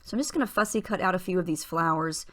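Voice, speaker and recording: A woman in a husky morning voice, chatting casually through a voice-over of her scrapbooking process, relaxed, with small fillers and restarts. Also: lowish voice, fast talker. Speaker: scrapbooking tutorial host.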